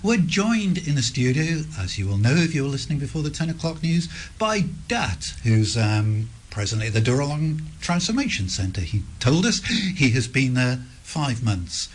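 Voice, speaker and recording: Male radio host, gentle. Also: mid-range voice, sing-song, moderate pace, hardly any pauses, breathy edge. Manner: gentle, sums up guest's answers. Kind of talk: radio interview. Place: radio studio. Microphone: studio microphone.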